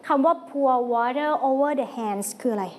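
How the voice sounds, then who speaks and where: A woman's voice: sits high, slow pace, darkish tone, a little hiss or hum. A woman with a Thai accent teaching English vocabulary, over-enunciating words as she prompts her pupils. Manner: coaxing question-and-answer prompting. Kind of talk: classroom English vocabulary lesson.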